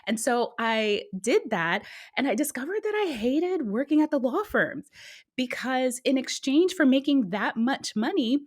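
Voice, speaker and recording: A middle-aged woman, born in Guyana and raised in the US, guesting on a podcast and telling her life story in a casual, animated way. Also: sits high, unhurried. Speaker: guest author. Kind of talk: conversational podcast interview.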